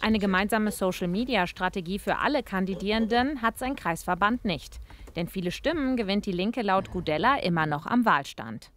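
A woman narrating a scripted regional news report in an even, measured way. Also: medium pitch, slight background noise.

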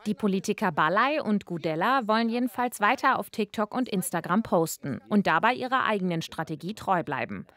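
A woman narrating a scripted regional news report in an even, measured way. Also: mid-range voice.

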